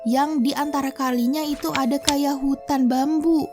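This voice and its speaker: A woman's voice: sits high, fairly even intonation, moderate pace. A young woman casually telling a horror story, chatty and slangy, speaking straight to her viewers. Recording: soft background music.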